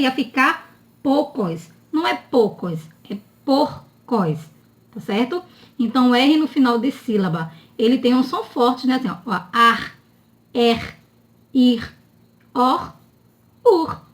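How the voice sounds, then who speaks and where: A woman teaching a children's spelling lesson in a slow, drawn-out, sing-song voice, often checking in with her listeners. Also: high-pitched.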